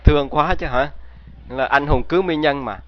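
A man's voice: on the high side, moderate pace, highs cut off. Man telling a folk tale to listeners. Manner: addresses listeners with rhetorical questions. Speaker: storyteller.

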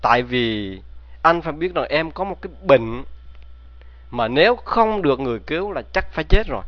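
A man voicing a frightened, sick young woman who pleads softly through tears, in a dull lo-fi recording. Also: on the high side, sing-song, normal speed, no echo. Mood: tearful.

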